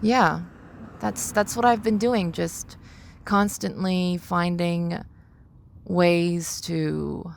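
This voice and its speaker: A young adult woman talking through personal reflections as a podcast host, halting and searching for words as she repeats phrases. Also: lowish voice, fairly even intonation, vocal fry, slight background noise.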